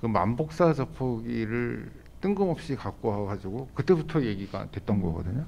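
A man with a medium pitch speaks at a moderate pace. His pitch swings very widely. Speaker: architect and installation artist. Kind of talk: panel talk. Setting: stage with audience. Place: hall. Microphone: podium.

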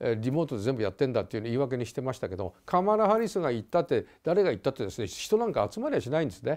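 The background is quiet. A man speaks with very wide pitch swings. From Japan. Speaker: political commentator. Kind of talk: lecture. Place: home room. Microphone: lapel.

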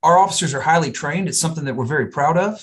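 A man speaks with fairly even intonation and a somewhat breathy voice. The background is quiet. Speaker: presenter. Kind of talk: formal presentation. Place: office. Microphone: webcam.

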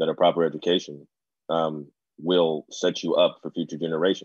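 A man speaks with an American accent. The background is quiet and the sound is dry, with no echo. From California. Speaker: economics professor. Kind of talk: panel discussion. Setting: video call. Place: home room. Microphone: video call.

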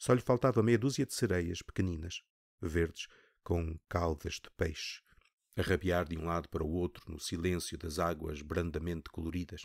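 A man's very deep, low voice with ordinary pitch variation and a theatrical, dramatic tone, in a dry, close sound with no echo. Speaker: audiobook narrator. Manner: measured, unhurried, expressive storyteller delivery with wry musing and dramatic pauses; formal, literary, slightly theatrical.

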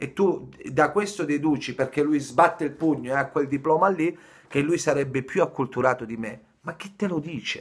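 A man at a fairly quick pace, fairly high in pitch, with lively intonation. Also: quiet background. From Germany, Italian family. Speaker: YouTuber. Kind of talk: vlog rant. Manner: halting. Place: kitchen. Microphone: phone near.

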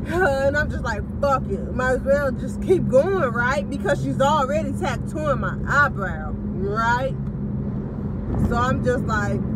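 A woman at a very slow pace, dry sound with no echo, loud background noise behind her. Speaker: vlogger. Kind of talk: casual vlog chat. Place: car. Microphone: phone near.

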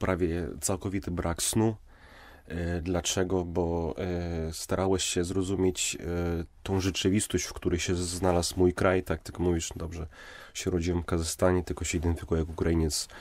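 A man's very deep, low pitch in monotone, flat intonation at a moderate pace, on a very clean recording with a silent background. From Kazakhstan, Ukrainian family. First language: Ukrainian or Russian (speaking Polish). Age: 30s. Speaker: Jesuit priest, student. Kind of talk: interview. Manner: hesitant, many fillers.

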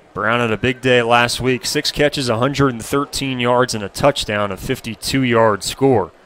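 A man speaks at a fairly slow pace in a plain, everyday voice, medium in pitch, with fairly even intonation. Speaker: play-by-play announcer. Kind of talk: live sports commentary.

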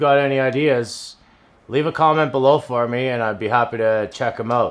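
Ordinary pitch variation from a man, delivered at a moderate pace. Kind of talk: casual vlog chat. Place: studio.

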